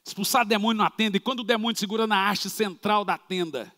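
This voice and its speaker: A man with a Brazilian Portuguese accent, a pastor telling a story in a sermon, lively and dramatic with shouted sound effects. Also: high-pitched, quick pace. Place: church. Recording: reverberant church hall.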